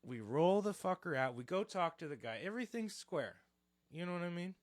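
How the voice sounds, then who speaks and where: A man co-hosting a podcast, telling a story in casual chat, animated and profane, acting out the quotes. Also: high-pitched, a little fast, dry recording, studio quality. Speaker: podcast co-host.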